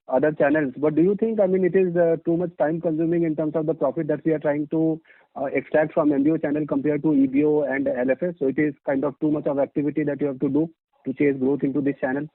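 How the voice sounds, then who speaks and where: A man's voice: on the high side, dry recording. A man with an Indian accent, an analyst putting deferential, wordy questions on an earnings call. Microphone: telephone line. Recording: dry, dull phone line.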